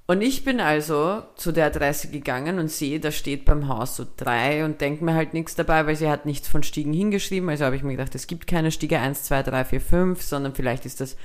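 Her voice sits low and runs fairly quick, with hardly any pauses. This young podcast co-host, Viennese Austrian German in accent, spins a story in loose conversation, cursing without restraint, dropping English slang and voicing both parties in the exchange.

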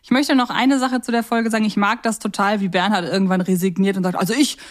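A woman's voice: medium pitch, steady tone, fast talker. A woman with a mid-range voice speaks as a podcast co-host. Her delivery is casual, unscripted conversation. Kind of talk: casual chat about audio drama episodes.

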